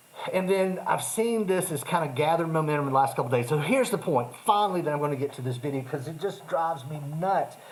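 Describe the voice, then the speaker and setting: A man with a Southern US accent talks very fast in a fairly high voice, with hardly any pauses, lively intonation and an animated tone. The room echo is audible and the background noise is noticeable. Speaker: music technology teacher. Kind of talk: video rant.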